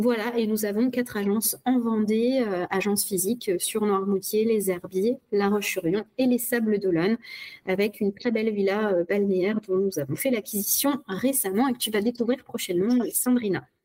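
A woman's fairly high-pitched, an unremarkable speaking voice, with ordinary pitch variation, very even loudness and a moderate pace. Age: 30s. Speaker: real estate sales manager. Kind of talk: interview.

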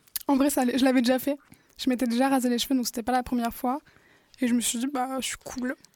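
The intonation is monotone and flat. The pace is very fast, broken by long, frequent pauses. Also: woman, high pitch for a woman. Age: 18. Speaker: university student. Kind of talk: casual chat.

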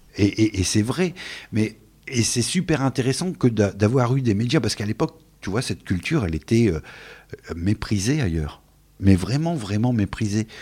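Somewhat breathy and dark, mellow in tone, a man's medium-pitched voice moves at a moderate pace with lively intonation and long, frequent pauses. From northern France (Douai area). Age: 50s. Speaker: community radio journalist. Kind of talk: casual interview. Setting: radio studio.

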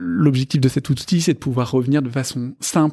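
In a very clean recording with a silent background, a man talks at a fairly quick pace, his medium-pitched voice dark and mellow. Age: 30s. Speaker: head of sales. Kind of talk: interview.

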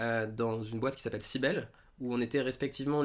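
In a very clean recording with a silent background, a man with an unremarkable speaking voice talks at a fairly quick pace with fairly even intonation. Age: 20s. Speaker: startup founder. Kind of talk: interview. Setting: at the host's home.

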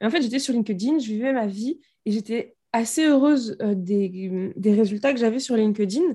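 Somewhat breathy and dark, mellow in tone, the voice moves at a moderate pace with ordinary pitch variation. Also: woman, fairly high pitch for a woman. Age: 30s. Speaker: marketing coach and entrepreneur. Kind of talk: casual chat.

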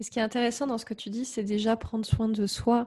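A woman's somewhat breathy voice, dark and mellow in tone yet fairly high in pitch, moves at a fairly quick pace in a monotone, flat delivery. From France, Paris suburbs. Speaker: podcast host and coach. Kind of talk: interview.

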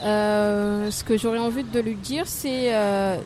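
Against noticeable background noise, a woman speaks at a very slow pace with a fairly high pitch and fairly even intonation. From Comoros. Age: 20s. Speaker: young entrepreneur. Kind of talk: interview. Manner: hesitant, many fillers.

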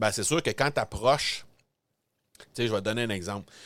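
A man with a Quebec accent talks at a fairly low pitch with fairly even intonation. The recording is very clean with a silent background. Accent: Québécois French. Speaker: entrepreneur and podcast coach. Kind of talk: interview.

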